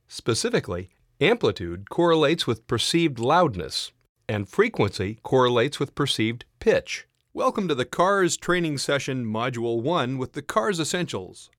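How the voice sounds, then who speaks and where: A man reading scripted training narration with clearly enunciated, instructional delivery, as an e-learning voiceover narrator. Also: mid-range voice, fairly bright tone, dry recording, clean studio sound. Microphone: close studio voiceover mic.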